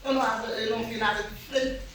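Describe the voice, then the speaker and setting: A woman in her fifties from Cape Verde, a hairdresser, speaking plainly and warmly about herself. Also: fairly high pitch, steady tone, brisk. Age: 50s. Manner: simple, heartfelt, plain speech. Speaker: hairdresser interviewee. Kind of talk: casual documentary interview. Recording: very echoey, distant, noisy room.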